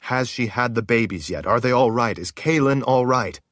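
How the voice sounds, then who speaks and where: A man's voice: mid-range voice, moderate pace, a bit bright, dry recording, studio quality, close to an everyday voice. A man voicing an impatient, anxious young lord firing off urgent questions.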